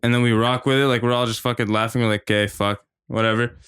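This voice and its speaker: A man's voice: medium pitch, flat delivery, fast talker, a bit bright, clean tone. A young man, a podcast guest, telling stories in hyped, profane casual chat.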